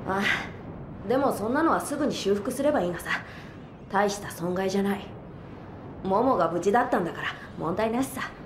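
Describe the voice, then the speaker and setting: A woman playing a brash, protective young boy in a Japanese audio drama, speaking in a rough, blunt boyish way. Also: medium pitch, lively intonation, fairly quick, echoey room, background noise, lightly acted. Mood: reassuring, earnest.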